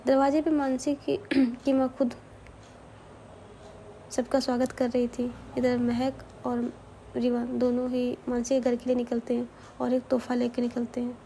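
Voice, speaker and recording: A woman telling a love story in a casual, chatty way, with asides to the listener and quick self-corrections. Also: a little high, completely flat delivery, dark tone, slight background noise.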